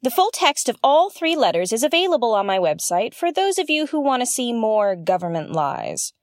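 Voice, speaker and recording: Female mystery investigator, high-pitched, earnest, intense, audio drama narration, very dry recording. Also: sing-song, normal speed, dry recording. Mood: determined. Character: earnest conspiracy-minded woman investigator hosting a mystery podcast. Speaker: podcast host.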